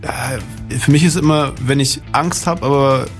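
A young man from Franconia, a big wave surfer, answering radio interview questions with many pauses, fillers and restarts. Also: medium pitch, faint music behind. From Germany (Franconia, Nuremberg).

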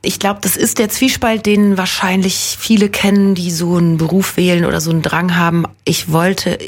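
Husky-voiced woman musing in an interview. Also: fairly low pitch, flat delivery, moderate pace. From Munich, Germany. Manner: reflective and self-deprecating, rambling with many fillers. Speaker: actress and guest. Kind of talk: casual conversational interview.

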